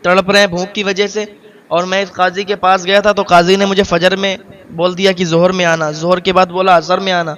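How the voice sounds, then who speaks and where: A man's voice: high voice, little pitch movement, a bit bright. A man voicing a poor, heartbroken father who pleads tearfully and repeats himself in long lists. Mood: aggrieved.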